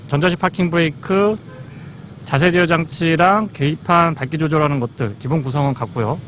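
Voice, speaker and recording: A man with a notably high voice presents a car review in an explanatory, polite way. He sounds like a test-drive reviewer talking through features, with some vehicle and street noise behind him.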